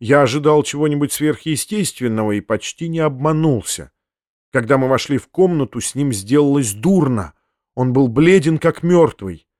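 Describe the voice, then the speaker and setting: A man narrating a novel in a measured, steady audiobook reading. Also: mid-range voice, dry recording, clean studio sound. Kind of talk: scripted narration.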